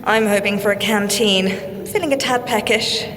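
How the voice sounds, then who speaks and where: An actress playing a wry, good-humoured young scientist and secret agent, chatting in an audio drama. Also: female voice, medium pitch, moderate pace, fairly bright tone, big-room sound, a little hiss or hum, lightly acted, rough recording. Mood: chatty. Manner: dry teasing, polite, chatty. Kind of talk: audio drama field banter.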